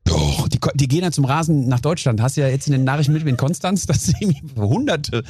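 A man guesting on a podcast, telling lively stories in casual chat and briefly acting out his own outbursts. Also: medium pitch, fast talker, breathy edge, no room sound, studio quality.

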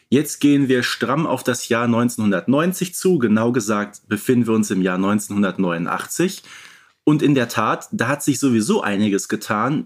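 A man co-hosting a podcast, explaining details in a conversational, informed way. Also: medium pitch. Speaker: podcast co-host. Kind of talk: casual, informed commentary on audio play series.

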